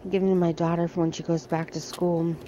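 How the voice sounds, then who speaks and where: A woman's voice: on the low side, little pitch movement, quick pace, dark tone, lo-fi sound, slight background noise. Chatty American woman browsing a store. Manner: chatty, thinking aloud while browsing. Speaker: shopping vlogger. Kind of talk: casual shop-with-me vlog. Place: large discount store aisles. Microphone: handheld phone camera.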